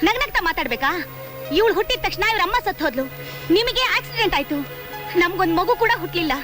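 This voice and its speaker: Bitter stepmother, scornful, very high voice, film music. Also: animated, fast. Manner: scornful, harsh, threatening.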